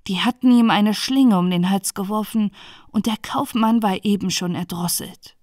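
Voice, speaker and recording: A woman reading a dark bedtime fairy tale aloud in a calm, even narrating voice. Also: medium pitch, moderate pace, no echo, clean studio sound. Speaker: storyteller.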